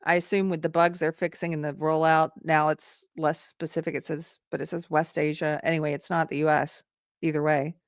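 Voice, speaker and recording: A woman's voice: deep voice, little pitch movement, fairly quick, no room sound. Chatty woman thinking aloud, dry sound. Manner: thinking aloud, frequent restarts, conversational; reads posts aloud with running commentary. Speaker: host. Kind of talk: casual political commentary.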